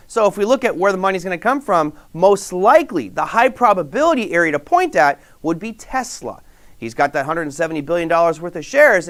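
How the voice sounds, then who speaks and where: Playful, animated market-briefing host. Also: medium pitch. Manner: playful and animated, with jokes and sound effects. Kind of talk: market news commentary.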